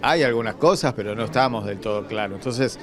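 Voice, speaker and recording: An Argentine man giving an interview answer in a halting, thoughtful manner, searching for his words. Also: fairly low pitch. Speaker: radio drama scriptwriter. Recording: crowd chatter behind, public event.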